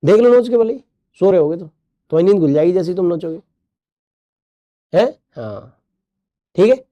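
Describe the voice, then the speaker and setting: A man's voice: high-pitched, animated, moderate pace, dry recording, muffled recording. A male teacher giving a recorded class, playful, repeating key terms and asking the class questions. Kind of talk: recorded online class lecture.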